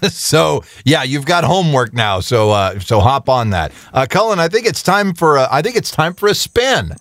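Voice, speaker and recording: Playful man with a lively voice. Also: fairly high pitch, moderate pace, no echo, studio quality. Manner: playful, wry, hosts the show segments. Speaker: podcast co-host. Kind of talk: casual comedic chat.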